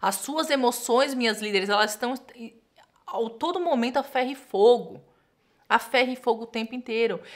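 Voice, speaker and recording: Against a quiet background, a woman with a high pitch and ordinary pitch variation speaks at a moderate pace with long, frequent pauses. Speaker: women's mentor and podcast host; podcast host. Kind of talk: motivational monologue. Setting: studio recording on camera. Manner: direct. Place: studio. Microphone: studio mic.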